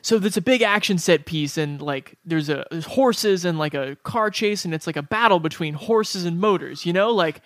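A man's voice: high-pitched, normal speed, few pauses, fairly bright tone, dry recording, studio quality. A man co-hosting a podcast, discussing films in a casual, analytical way and thinking aloud as he goes.

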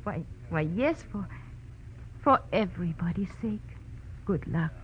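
An actress playing a refined, pleading French client in a 1940s radio detective drama, polite and dramatic. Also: female voice, on the low side, lively intonation, unhurried. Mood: soft, grateful. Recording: dull old radio recording with faint noise.

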